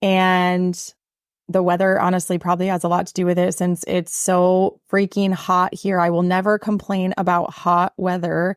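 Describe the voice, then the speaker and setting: A woman at medium pitch and moderate pace, flat and monotone in intonation, on a very clean recording with a silent background and a dry, close sound with no echo. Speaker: personal trainer and podcast host. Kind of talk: casual podcast monologue.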